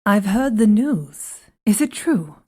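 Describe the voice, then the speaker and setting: A woman's voice: mid-range voice, big pitch swings, slow pace, warm tone. A woman playing a cool, skeptical queen with a regal, dismissive manner in a fantasy audio drama. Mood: doubtful. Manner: regal, dismissive, clipped irony.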